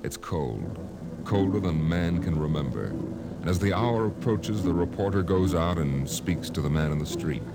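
A man's voice: deep voice, expressive, moderate pace. A man playing a solemn, portentous narrator of doom in a 1950s radio drama. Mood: solemn, foreboding. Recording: old radio recording with loud music.

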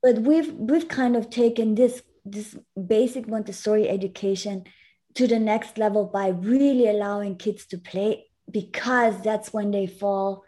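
In a conversational interview, a woman from Italy who grew up speaking German explains things earnestly as a guest educator, often restarting mid-thought. Her medium-pitched voice is warm and steady, and her pace is a little slow.

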